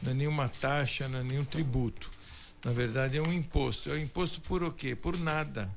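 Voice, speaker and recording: Somewhat breathy, a man speaks at fairly high pitch with ordinary pitch variation. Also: moderate pace. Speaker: business association president and co-host. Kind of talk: radio interview.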